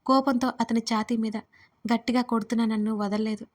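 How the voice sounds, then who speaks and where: A woman narrating a first-person romance story for an audiobook, in an expressive, dramatic way. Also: on the high side, a little fast.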